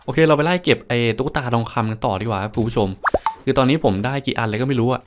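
A man giving playful, animated game commentary, talking to his viewers with coarse slang. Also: medium pitch, very fast, noisy background. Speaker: gaming YouTuber. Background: background music.

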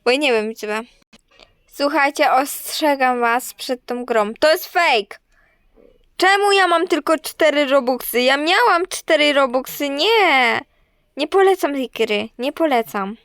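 A woman's voice: sits high, animated, takes it slowly, a bit bright, no echo, clean studio sound. A young woman streamer commenting on her game and talking straight to her viewers, gushing and sometimes shrieking. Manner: gushing, talks to viewers, shrieks when winning. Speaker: gaming streamer. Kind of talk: excited gameplay commentary.

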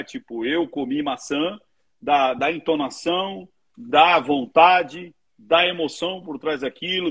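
Brazilian guy hosting, bit husky, fairly high voice, chatty with lots of fillers. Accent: Brazilian Portuguese. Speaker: interview host. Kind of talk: casual interview over a live video call.

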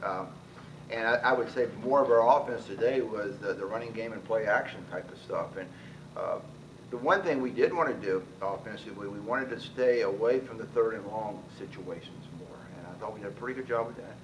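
A man in his sixties, a head football coach, answering at a post-game press conference, talking quickly with many restarts and repeated words. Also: fairly low pitch, highs cut off. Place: press room with sponsor backdrop. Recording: distant mic, noisy press room.

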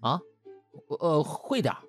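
A man's voice: a little high, sing-song, takes it slowly, breathy edge, faint music behind, full character voice. A man voicing a polite, hesitant young man in an audiobook, with stammering speech.

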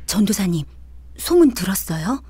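A woman's voice: mid-range voice, big pitch swings, normal speed, background noise, natural voice. An actress playing a gossiping, secretive female church member in an audio drama, speaking confidingly. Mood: conspiratorial.

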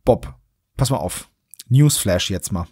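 A man's voice: lowish voice, lively intonation, takes it slowly, a little mellow, breathy edge, no echo, studio quality. A man hosting a podcast, recapping a story in casual, colloquial chat with mock-indignant asides. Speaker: podcast host. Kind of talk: casual chat, recapping and commenting on an audio drama.

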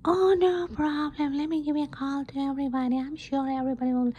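A woman playing an eager, chatty customer booking a retreat in an ASMR role play, gushing and breathy. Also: high-pitched, little pitch movement, fast talker, dark tone, highs cut off, pitched above the performer's own voice, close to an everyday voice. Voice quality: husky, breathy. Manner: gushing, agreeable.

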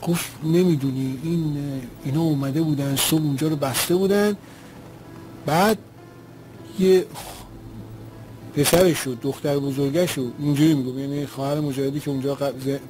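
A man's voice: fairly high pitch, fairly even intonation, a little mellow, faint music behind, poor audio. A man giving spoken testimony as an eyewitness, retelling events in an earnest, vivid way.

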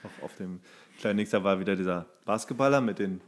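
A man's voice: lowish voice, fast talker. Casual, colloquial man in conversation. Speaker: podcast co-host. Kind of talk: casual chat.

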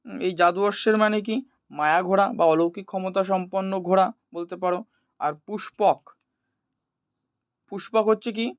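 A man's voice: high-pitched, no room sound. A man explaining a poem to students as a teacher, often posing questions and answering them himself. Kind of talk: explanatory poetry lesson for students.

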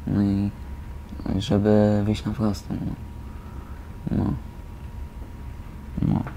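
A teenage man from Poland gives short, halting answers. He speaks slowly and with little melody in a fairly low voice. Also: completely flat delivery, vocal fry, mellow, a little hiss or hum. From Łódź, Poland. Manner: halting, terse. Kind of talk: casual interview answers.

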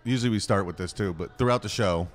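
A man's voice: on the low side, fast. A man with a Midwestern accent hosting a casual podcast, joking and laughing often with his guest. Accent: Midwestern American. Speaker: podcast host. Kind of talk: casual chat. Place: bar studio room. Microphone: handheld mic.

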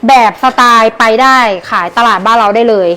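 A Thai woman live seller giving a casual promotional pitch in short punchy phrases to customers. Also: a little fast, pushed and bright, clean tone. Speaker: live-stream seller of secondhand clothing bales.

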